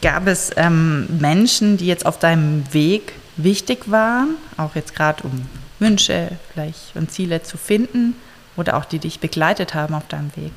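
A woman interviewing a young man, asking gentle, careful questions with frequent fillers. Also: low-pitched, normal speed, long reverb tail.

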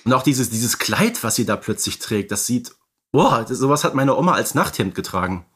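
Emphatic man with a slightly husky voice. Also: mid-range voice, lively intonation, moderate pace, fairly bright tone. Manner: emphatic, repeats words for stress. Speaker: podcast co-host. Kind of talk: conversational film analysis podcast.

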